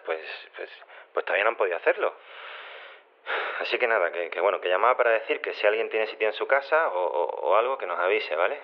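A man's voice: fairly low pitch, lightly acted. A man with a Spain accent playing an awkward, flustered scientist leaving a hesitant, rambling phone message in an audio comedy. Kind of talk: naturalistic audio comedy acting. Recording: muffled, tinny phone message.

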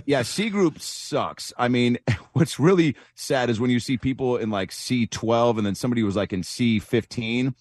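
A man's voice: medium pitch, moderate pace, hardly any pauses, darkish tone, dry recording. A man who is a comedian, chatting as a guest and telling rambling, self-deprecating stories full of fillers. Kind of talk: casual anecdotal chat.

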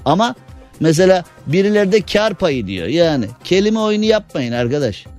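A man's voice: high voice, very animated, normal speed, darkish tone, soft background music. A male radio host in casual studio talk, chatty and opinionated, full of rhetorical questions.

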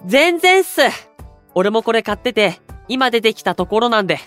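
A woman's voice: fairly high pitch, very animated, normal speed, a bit bright. A woman playing a casual, cheeky teenage-sounding boy idol who talks in slang to older bandmates. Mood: cheerful. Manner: casual junior-to-senior slang. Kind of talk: anime-style voice drama acting. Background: music.

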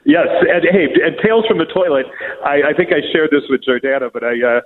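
A man's voice: on the high side, animated, a little fast. A man chatting casually on air as a show regular, phoning in from an echoey public bathroom. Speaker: radio show regular reporting by phone. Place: echoey public restroom in a restaurant. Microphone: phone. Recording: noisy phone line, echoing public bathroom.

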